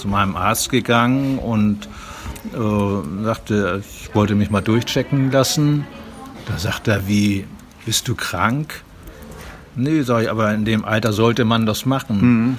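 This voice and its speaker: Speaking at a very slow pace with long, frequent pauses, a man uses a fairly low pitch and ordinary pitch variation. Background noise is noticeable. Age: 70s. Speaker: retired masters athlete and sports badge examiner. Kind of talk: interview answers. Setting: outdoors on a beach.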